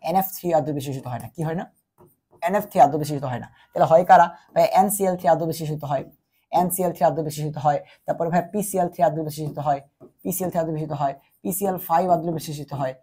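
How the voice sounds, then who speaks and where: A man's voice: fairly high pitch, dark tone, slightly rough. A young man teaching chemistry while feverish, asking questions and answering them himself. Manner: repetitive call-and-answer teaching, quizzing the listener. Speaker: chemistry tutor. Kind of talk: exam-prep lecture.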